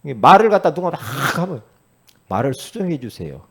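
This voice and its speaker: A male pastor delivers a sermon in a husky voice that swings widely in pitch. He talks casually to the congregation and then surges up into loud emphatic pleas. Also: very animated, brisk. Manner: emphatic, conversational preaching with sudden loud rises.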